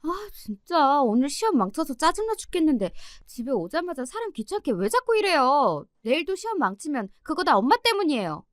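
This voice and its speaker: A woman's voice: high voice, big pitch swings, normal speed, no room sound, studio quality, pitched above the performer's own voice. A woman voicing an irritable teenage girl student who whines and snaps back. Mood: annoyed. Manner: whiny, snapping, exasperated.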